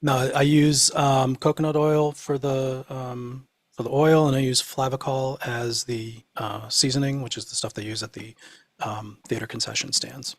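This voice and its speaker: Husky guy w slight boston accent, casual cohost chat, dry jokes, swears a bit. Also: medium pitch, flat delivery, moderate pace. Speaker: co-host.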